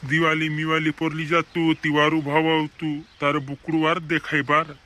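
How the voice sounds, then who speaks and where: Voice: mid-range voice, completely flat delivery, normal speed, sharp tone, a little hiss or hum, natural voice. An actor playing an older, neighbourly village man in a cartoon comedy, with a rural Madhya Pradesh tribal accent. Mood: neighbourly, grumbling.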